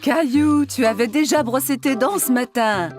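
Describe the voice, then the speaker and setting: A woman playing a gentle, patient mother of a young boy. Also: high-pitched, normal speed, soft background music, natural voice.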